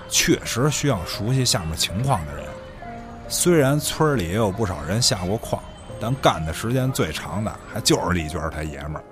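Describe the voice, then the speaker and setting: A man playing a shady, domineering village boss in an audio drama, talking in a calculating, condescending, colloquial way. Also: lowish voice. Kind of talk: Chinese audio drama acting.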